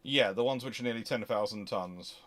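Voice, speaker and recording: A man's voice: lowish voice, fairly quick, fairly bright tone. A man hosting an unscripted question-and-answer talk, speaking discursively and working through his thoughts aloud. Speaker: host answering audience questions.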